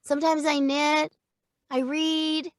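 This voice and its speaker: An older woman, a voice actor, chatting about her work in an animated, laughing way from a recording booth. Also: high voice, slow, dry recording, clean studio sound. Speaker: voice actor guest. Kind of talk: casual interview chat. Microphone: studio microphone.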